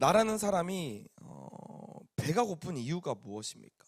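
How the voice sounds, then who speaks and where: A man with a high voice speaks at a very slow pace. His pitch swings very widely. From Jeolla region, South Korea. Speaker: pastor. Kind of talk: sermon. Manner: conversational, many filler sounds.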